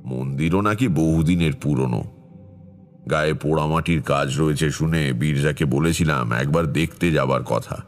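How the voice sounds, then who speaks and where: An actor playing a brooding tantrik storyteller, narrating his eerie past in a measured, reflective horror audio drama. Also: a bass voice, soft background music.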